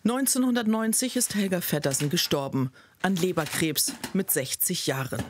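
A woman reading a scripted news report in a measured, even way. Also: lowish voice, a little hiss or hum.

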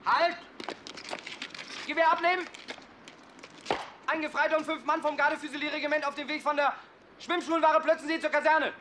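High-pitched barking Prussian corporal. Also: male voice, flat delivery, fast talker, slight background noise. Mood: brisk, obedient. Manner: loud parade-ground barking. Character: dutiful Prussian lance corporal shouting drill commands. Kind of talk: German period military drama acting.

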